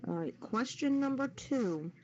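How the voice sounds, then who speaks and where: A woman with a high, animated voice runs a live quiz at a measured pace, reading trivia questions aloud and confirming participants' answers. The audio is dull, noisy, lo-fi voice chat.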